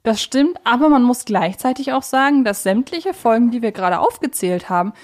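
A woman's voice: a little high, lively intonation, fairly quick, darkish tone. A woman hosting a casual podcast discussion, chatty and rambling, often correcting herself mid-thought. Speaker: podcast host. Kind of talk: casual podcast discussion of an audio drama series.

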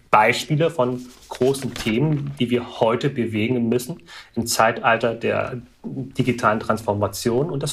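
A man in his thirties whose first language is Vietnamese, giving measured, analytical interview answers with some hesitations. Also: medium pitch, fairly bright tone. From Germany. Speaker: guest, alumnus.

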